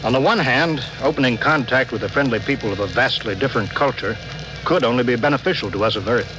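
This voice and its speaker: A man's voice: mid-range voice, quick pace, music in the background, close to an everyday voice. An actor playing a stern male starship captain in a 1950s radio drama, giving orders in clipped, grave tones over a noisy broadcast. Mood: grave commanding.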